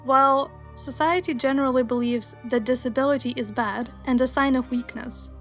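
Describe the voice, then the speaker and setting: A woman's voice: sits high, fairly even intonation, normal speed, a bit bright, faint music behind. A young woman whose first language is Russian, narrating a scripted video essay in an earnest, wry, explanatory way. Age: young adult.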